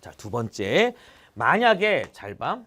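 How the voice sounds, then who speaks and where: A young man teaching biology in an online exam-prep lecture, chatty and animated, constantly checking in with his students and breaking into little exclamations. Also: medium pitch, takes it slowly. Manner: animated, exclaims mid-explanation. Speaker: biology tutor.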